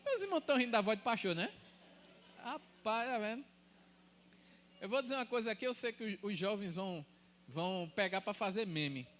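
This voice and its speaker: Pastor with a light, thin voice. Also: male voice, high voice, fairly quick, long pauses, a little hiss or hum. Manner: animated, jokes with the congregation, asks and answers his own questions. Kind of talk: sermon.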